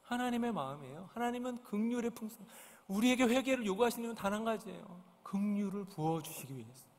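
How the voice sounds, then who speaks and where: A male pastor preaching a sermon in a church sanctuary. He speaks earnestly and keeps posing questions to his congregation. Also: high-pitched. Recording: long church reverb. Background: congregation present.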